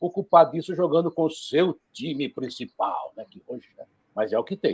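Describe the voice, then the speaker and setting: This man has a plain, everyday voice, pitched fairly high. He talks at a moderate pace with lively intonation. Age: 60s. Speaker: football pundit. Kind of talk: casual chat.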